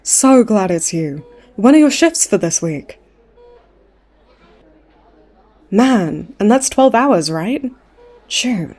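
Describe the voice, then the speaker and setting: A woman's voice: mid-range voice, very animated, takes it slowly, a little mellow, faint music behind. A woman playing a cheeky, smug supervillain in a comedy audio roleplay, with a breezy, teasing way of talking. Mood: friendly, chummy. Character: cocky, cheeky supervillain woman, a chummy hospital frequent flyer.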